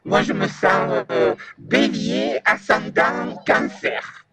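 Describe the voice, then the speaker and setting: A man speaking outdoors as a mystery radio guest, teasing his questioners in a deadpan way. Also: high voice, slow, vocal fry. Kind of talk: playful guessing-game interview answers. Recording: crowd noise behind, speaking outdoors.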